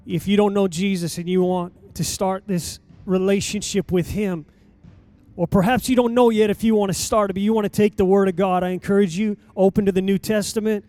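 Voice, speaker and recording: High-voiced preaching man, mellow tone. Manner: emphatic preaching with dramatic pauses. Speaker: pastor. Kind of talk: sermon. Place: church sanctuary.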